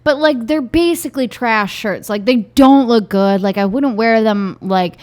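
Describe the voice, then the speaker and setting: A woman's voice: fairly high pitch, measured pace, a little mellow. A woman co-hosting a podcast in casual chat, playful and teasing, with many "like"s. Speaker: podcast co-host.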